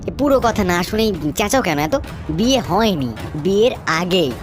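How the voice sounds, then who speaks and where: An impatient middle-aged village son in a cartoon. He talks in a brusque, scolding way, and his pitch swings widely. Music plays behind him. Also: lively intonation, brisk. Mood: dismissive.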